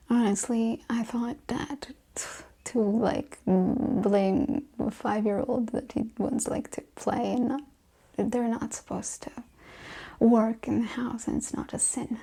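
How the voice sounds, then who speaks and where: Female ASMR host, soft and breathy with frequent whispering, unhurried pace, sassy and emphatic chit-chat delivery. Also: a little high. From Russia. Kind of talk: softly spoken ASMR chit-chat film rant.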